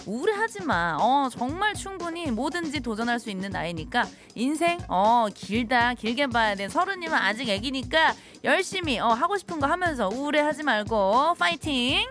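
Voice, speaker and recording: A woman's voice: high voice, big pitch swings, normal speed, hardly any pauses, over music. A woman in her thirties hosting a live radio show, chatting and teasing her listeners as she reads their messages. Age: 30s.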